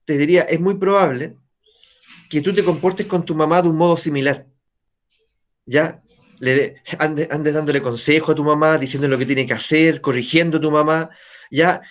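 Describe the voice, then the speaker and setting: A man with a Chilean Spanish accent lectures to a class online, keeping things conversational and stopping often to check that his students follow. His voice sits a little high for a man. The sound is dull and lo-fi, as over a video call. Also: steady tone, normal speed. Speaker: teacher.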